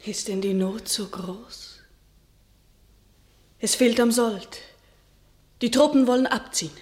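High-voiced, impassioned young heroine. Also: female voice, takes it slowly. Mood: urgent, devoted. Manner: declamatory, solemn verse delivery. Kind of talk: German classical stage-style radio drama acting.

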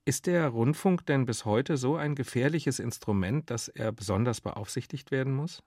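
A man's voice: mid-range voice, normal speed, a little mellow, no room sound. A man with a mid-range voice acts as interviewer. He puts carefully worded, formal questions in an articulate way. The sound is dry, without room. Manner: formal, articulate, eloquent phrasing. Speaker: interviewer, moderator. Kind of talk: prepared interview questions in a formal panel discussion.

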